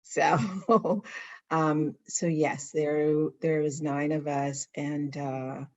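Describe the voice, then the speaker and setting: A woman's voice: low voice, little pitch movement, extremely slow, darkish tone, highs cut off. A woman from the Bahamas, a guest on an interview, talking freely and laughing often. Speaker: interview guest, nonprofit founder. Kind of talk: casual interview chat.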